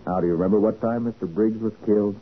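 An actor playing a shrewd, commanding American private detective in a 1940s radio drama, methodical and deliberate. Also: male voice, lowish voice, fairly even intonation, phone-quality sound, natural voice. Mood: assured, deducing. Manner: assured, deliberate, interrogating. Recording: scratchy band-limited 1940s radio recording.

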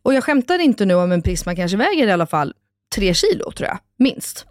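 A woman, co-hosting a casual podcast and telling stories in an animated way, acting out quotes and swearing casually. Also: mid-range voice, dry recording, studio quality. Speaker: podcast co-host. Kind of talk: casual chat.

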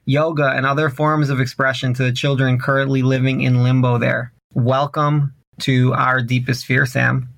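A man's voice: mid-range voice, flat delivery, normal speed, vocal fry, few pauses, fairly bright tone, no echo. A man, hosting a conversational podcast interview. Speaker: interview host.

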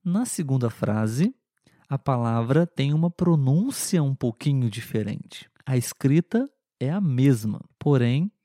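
A man giving a language lesson, repeating words and sentences slowly and clearly for learners. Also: mid-range voice, mellow, dry recording, clean studio sound. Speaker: language teacher. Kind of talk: slow explanatory lesson.

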